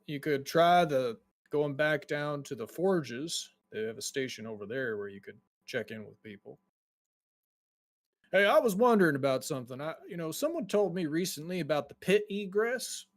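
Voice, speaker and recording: A man's voice: on the high side, lightly acted. A man voicing a meek young male dwarf worker who stammers and apologizes, his voice lighter than other dwarves. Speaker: game master. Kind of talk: tabletop game role-play.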